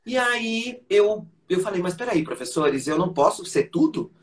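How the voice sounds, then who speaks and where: A man's voice: high voice, normal speed. A man, a voice teacher and conductor, telling stories as the guest in an interview and acting out the voices of the people he quotes. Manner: animated storyteller who acts out quoted voices. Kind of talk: live-stream interview storytelling.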